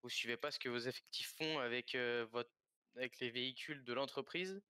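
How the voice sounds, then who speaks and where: A man's voice: mid-range voice, fairly even intonation, brisk, pushed and bright. A man playing a prosecutor in a roleplay court, formal and insistent.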